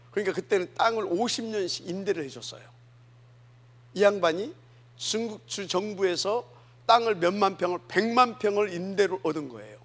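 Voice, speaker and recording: A male pastor from Jeolla preaching a sermon in a church, talking conversationally and often asking the congregation rhetorical questions. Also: on the high side. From Jeolla, South Korea. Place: church sanctuary.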